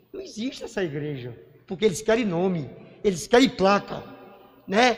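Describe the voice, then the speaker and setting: A man speaks with lively intonation. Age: 60s. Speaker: church member sharing. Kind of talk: testimony.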